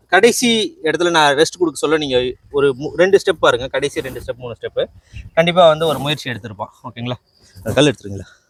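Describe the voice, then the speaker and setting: A man talks with a fairly high pitch and lively intonation. His loudness swings a lot, and the sound is dry and close with no echo. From Tamil Nadu, India. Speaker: horse trainer. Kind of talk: horse training tutorial talk. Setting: outdoors. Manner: casual.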